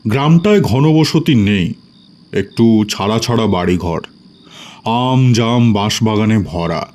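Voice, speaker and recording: A man's voice: fairly low pitch, expressive, slow pace, a little mellow. A man narrating a scripted story in a dramatic storytelling style.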